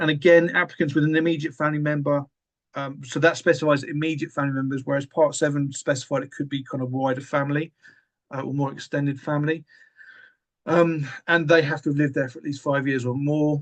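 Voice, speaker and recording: A man with an English accent races along at a very fast pace, his fairly high voice flat and monotone. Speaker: housing law expert. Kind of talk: livestream Q&A. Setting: livestream on laptop.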